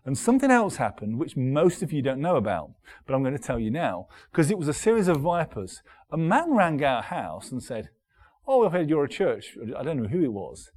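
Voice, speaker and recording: A middle-aged man from Derby, preaching a sermon as pastor in a conversational, halting way, often restarting and repeating words. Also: on the high side, very animated, darkish tone. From Derby, England.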